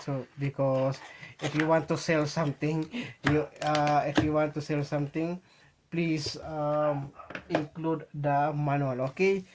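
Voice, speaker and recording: A man with a Filipino accent talks casually to viewers in an unboxing vlog, halting and repeating himself as he thinks aloud. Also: on the high side. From Philippines. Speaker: vlogger. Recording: noisy home recording with clicks.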